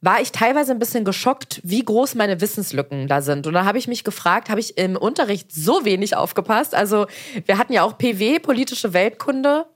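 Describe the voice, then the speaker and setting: A woman's voice: medium pitch, expressive, fairly quick. Chatty woman, reflective podcast guest. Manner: chatty, reflective, laughs easily. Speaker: podcast guest, presenter and comedian. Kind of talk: casual interview talk.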